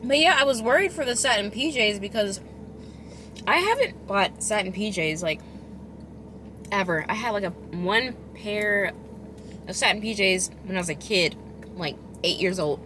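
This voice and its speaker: A woman chatting casually as a food vlogger, chewing while she talks, rambling and expressive with emphatic delivery. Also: medium pitch, normal speed, pauses often, background noise. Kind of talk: casual chatty eating vlog.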